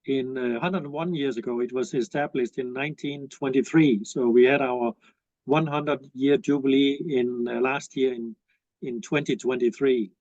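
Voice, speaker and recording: Guest: man with a Danish accent, speaks haltingly with fillers, dry and slightly dull sound. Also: medium pitch, a little mellow, no room sound. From Denmark. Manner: halting, with many pauses and fillers. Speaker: guest, executive director of a cultural association. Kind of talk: casual interview answers.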